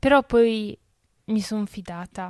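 Recorded very cleanly with a silent background and a dry, close sound with no echo, a woman speaks at a very slow pace. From Emilia-Romagna, Reggio Emilia. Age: 20s. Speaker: consecrated lay member of a religious community. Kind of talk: testimony. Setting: at the community's center.

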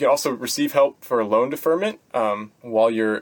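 A normal speaking voice moves at a moderate pace, its intonation lively. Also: man. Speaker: church volunteer, work camp coordinator. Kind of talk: casual conversational interview.

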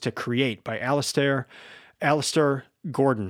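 Recorded very cleanly against a silent background, a man talks at a fairly slow pace and fairly high pitch with ordinary pitch variation. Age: 40s. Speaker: podcast host. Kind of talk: solo podcast monologue. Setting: studio. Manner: halting, many repeated words.

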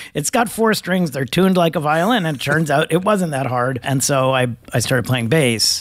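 Speaking in a normal speaking voice, a man with an American accent talks at a moderate pace with lively intonation and a fairly high pitch. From New England, US (Massachusetts/New Hampshire). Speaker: venture capitalist. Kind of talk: casual chat.

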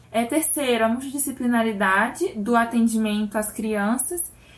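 At a moderate pace, a woman speaks against noticeable background noise. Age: 20s. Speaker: anthropology student researcher. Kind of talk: podcast interview.

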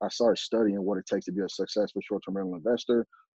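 Fairly low male voice, dark and mellow, with monotone, flat intonation and a dry, close sound with no echo. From Houston, Texas, born in Nigeria. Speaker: real estate investor. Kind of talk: interview.

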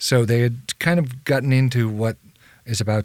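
Here a man talks with a Boston accent. His pitch is medium. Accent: Boston, Massachusetts. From Boston area, Massachusetts. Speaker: author and musician. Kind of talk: interview conversation.

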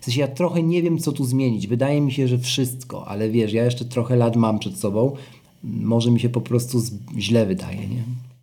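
A man with a Polish accent talks at a fairly quick pace, his medium-pitched voice dark, mellow and somewhat breathy. His pitch varies in an ordinary way. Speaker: podcast host. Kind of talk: interview conversation.

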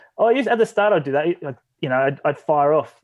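Against a quiet background with a dry, close sound and no echo, a man with a fairly high pitch talks at a fairly quick pace with lively intonation. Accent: Australian. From Melbourne, Australia. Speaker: music photographer. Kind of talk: casual interview chat.

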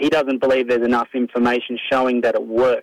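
With an Australian accent, a man speaks at a medium pitch and a fairly quick pace in a dry, close sound with no echo. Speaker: caller. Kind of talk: casual chat. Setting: phone call.

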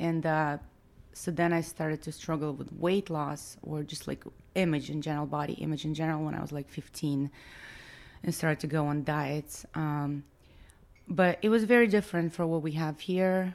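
In a Russian accent, a woman speaks at a moderate pace with a very deep, low pitch and fairly even intonation. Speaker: ultra runner and business owner. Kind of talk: casual interview, telling life story.

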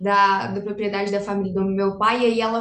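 With audible room echo and noticeable background noise, a woman talks at a fairly quick pace. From Minas Gerais, Brazil. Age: 20s. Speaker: podcast guest. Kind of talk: casual chat.

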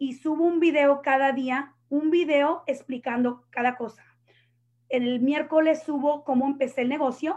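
The woman's pitch is high. She holds a fairly even intonation throughout. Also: fairly slow pace. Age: 30s. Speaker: fitness coach and business owner. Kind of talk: interview.

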